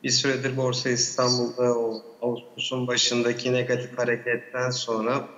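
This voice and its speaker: Male strategist, remote guest; echoey, muffled call line, measured analyst delivery. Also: medium pitch, monotone, fairly bright tone. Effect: echoing remote connection. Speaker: market strategist. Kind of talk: remote guest commentary on a business news show. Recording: dull lo-fi remote call with echo.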